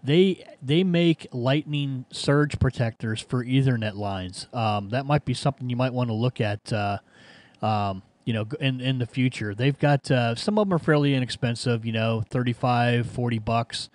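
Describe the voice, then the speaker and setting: Male radio hobbyist, mid-pitched and helpful, casual explanatory chat with hesitations, dry close sound. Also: normal speed, a little mellow, dry recording. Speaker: amateur radio operator.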